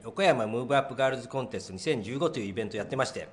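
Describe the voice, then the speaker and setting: A man co-hosting a radio program, chatty and quick with constant backchannel replies. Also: mid-range voice, expressive, in a large hall, slight background noise. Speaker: radio co-host. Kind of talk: casual radio interview.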